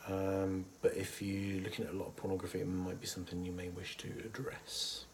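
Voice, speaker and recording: Husky man with a cold, low-pitched. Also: completely flat delivery, a little fast, slight background noise. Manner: thoughtful, hesitant with many fillers, chuckles softly. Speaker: therapist. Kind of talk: casual educational talk to camera.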